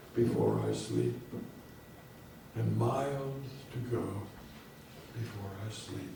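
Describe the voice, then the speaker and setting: A man at a very slow pace with long, frequent pauses, amid noticeable background noise. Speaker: voice actor, narrator. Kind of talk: poetry reading. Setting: live audience at a library.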